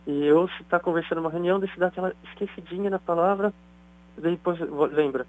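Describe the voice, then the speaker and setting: Fast-talking doctor explaining. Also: male voice, sits high, rough recording. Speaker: neurosurgeon guest. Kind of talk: explaining in an interview.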